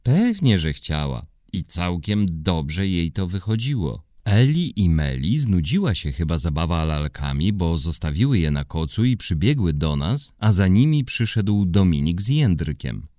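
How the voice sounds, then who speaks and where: Man reading a children's story, deep voice, very lively, mellow, dry sound. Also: unhurried, hardly any pauses, no echo. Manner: expressive, playful reading.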